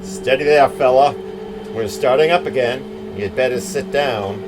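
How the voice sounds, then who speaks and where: A man playing a calm, wry ghost senator. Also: medium pitch, unhurried, close to an everyday voice, rough recording. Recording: music bed behind.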